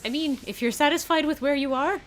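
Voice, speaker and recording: Fast-talking bilingual woman gaming. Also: sits high. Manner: switches between Japanese and English, restating each line; chatty, answers chat while playing. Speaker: bilingual game streamer. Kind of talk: casual live gameplay commentary.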